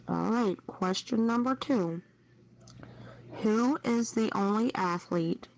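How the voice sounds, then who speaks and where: A woman's voice: mid-range voice, darkish tone. A woman hosting a quiz, reading out questions in an unscripted way over a muffled radio chat channel. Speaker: trivia quiz host.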